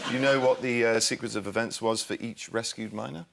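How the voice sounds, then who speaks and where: A man hosting a comedy news quiz, delivering scripted jokes deadpan. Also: medium pitch, fairly quick, vocal fry, a crowd in the background, background noise. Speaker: quiz host.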